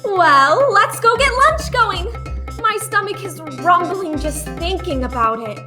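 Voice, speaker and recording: A woman's voice: very high voice, animated, unhurried, over music. A woman playing a perky, inquisitive young female sightseer in a fan audio drama, with a bubbly manner. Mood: cheerful.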